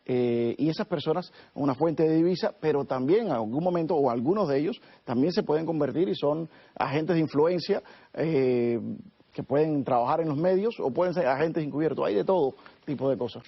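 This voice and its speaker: A man's voice: fairly high pitch, a little fast, gravelly, breathy edge, lo-fi sound. A middle-aged man from Cuba, speaking earnestly as a lawyer guest on a TV interview. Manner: earnest, with frequent "eh" fillers and restarts. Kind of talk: TV studio interview.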